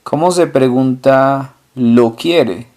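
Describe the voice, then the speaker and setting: A male teacher at an unhurried pace, working through drill questions and answers. He says each example word slowly and often twice. His pitch sits at an ordinary middle level. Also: a little mellow. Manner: poses questions, then answers slowly and deliberately, repeating example words. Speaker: language teacher. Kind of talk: slow language lesson with drill questions.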